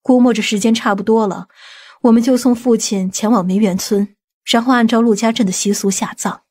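Woman playing a commanding, husky-voiced scheming aunt. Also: on the high side, fairly even intonation, a little mellow. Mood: assured, chiding. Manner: measured, matter-of-fact, authoritative. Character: composed, commanding, scheming aunt of a powerful family.

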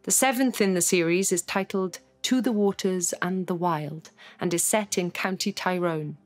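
A woman announcing an audio series in a measured, formal, scripted introduction. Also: lowish voice.

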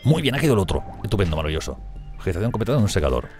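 A man commenting on a strategy game he is playing, talking fast and excitably, swearing and laughing often. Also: deep voice, faint music behind. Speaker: gameplay streamer.

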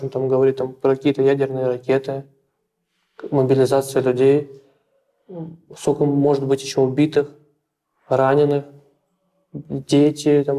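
A young man from Russia answering interview questions in a small plain room, halting and repeating words with many fillers. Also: mid-range voice, dark tone. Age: young adult.

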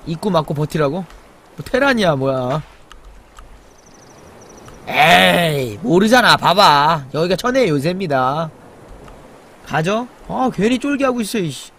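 A young man streaming a survival game, chatting with viewers, muttering to himself and crying out loudly when startled. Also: sing-song, unhurried, long pauses, a little hiss or hum. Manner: jumpy, exclaims loudly when startled, then mutters low; chats with viewers and reads the chat. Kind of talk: live game commentary.

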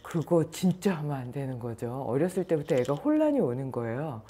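A woman's voice: sits low, brisk, breathy edge. A woman yoga and meditation teacher giving a spoken lecture, acting out everyday examples and chuckling between points. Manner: animated storyteller who acts out everyday examples.

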